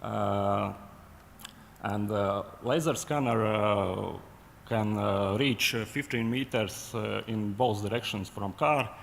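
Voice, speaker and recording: A man with a Latvian accent giving a technical conference presentation, halting with many fillers and restarts. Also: on the low side, vocal fry, slight background noise. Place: large conference hall. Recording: long hall reverb, faint ambience.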